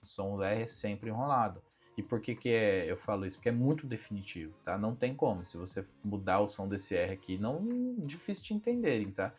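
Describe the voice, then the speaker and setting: A young Brazilian man giving a casual English lesson, chatting and repeating phrases slowly for students to copy. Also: lowish voice, animated, darkish tone, slightly rough. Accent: Brazilian Portuguese. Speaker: English teacher. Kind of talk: casual spoken language lesson. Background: faint background music.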